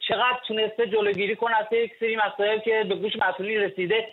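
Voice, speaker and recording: A male caller with a high voice makes an impassioned, emphatic case over a thin phone line. His delivery presses each point home. The sound is narrow and tinny, like a call patched into a radio studio. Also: flat delivery. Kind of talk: call-in opinion.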